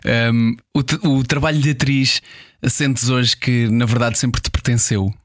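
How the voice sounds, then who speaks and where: A man's voice: mid-range voice, steady tone, unhurried, no echo, studio quality. A man with a European Portuguese accent hosting a radio interview in a conversational style. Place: radio studio.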